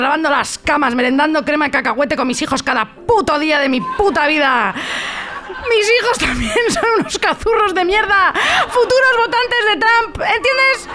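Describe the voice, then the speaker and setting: A woman's voice: high voice, fast talker, hardly any pauses, close to an everyday voice. A woman from voicing a bored, bitter farm wife who mocks her family in a crude, melodramatic inner monologue. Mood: scornful. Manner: crude, mocking inner monologue full of swearing.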